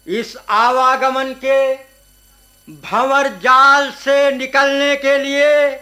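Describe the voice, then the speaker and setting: High-voiced, slow preaching Hindu guru. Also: male voice, bright, forceful tone, heavily acted. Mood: solemn preaching. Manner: sonorous, preachy, pious. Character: solemn male Hindu guru preaching to devotees. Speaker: radio actor. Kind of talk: radio drama, sermon-like delivery.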